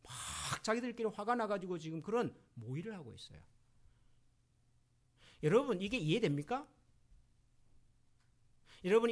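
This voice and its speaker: A man's voice: high-pitched, a bit bright. A middle-aged man preaching a sermon as pastor, asking the congregation questions and acting out quoted voices. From Korea.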